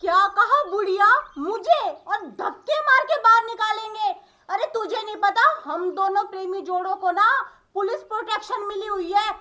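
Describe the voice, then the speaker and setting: Woman doing a cartoon bride, very high-pitched, bright, cheeky, combative. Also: moderate pace. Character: sharp-tongued new bride.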